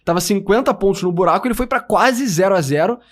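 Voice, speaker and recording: A man's voice: high-pitched, animated, quick pace. Casual man talking politics. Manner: explains news from charts, loose and joking. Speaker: podcast co-host.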